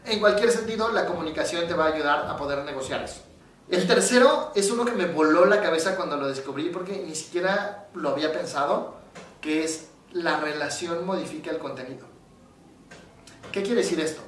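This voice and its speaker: Mexican male psychologist, casual animated explainer, high voice, roomy echo, off-mic. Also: brisk, recorded from a distance, slight background noise. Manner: animated storyteller, acts out quoted voices. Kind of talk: casual explanatory talk to camera. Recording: very echoey room, voice from off the mic.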